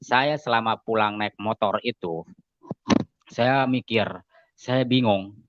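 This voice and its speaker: A man giving a casual spoken testimony as an interview guest, telling his story in an animated way and acting out the lines of other people. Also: slow, no echo. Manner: animated storytelling, acting out quoted dialogue with raised pitch. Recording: dull, slightly lo-fi dry sound.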